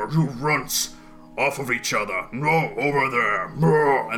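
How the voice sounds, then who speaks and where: Fairly slow delivery in a put-on character voice, backed by clear music. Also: man, fairly high pitch for a man. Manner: shouting, barking orders.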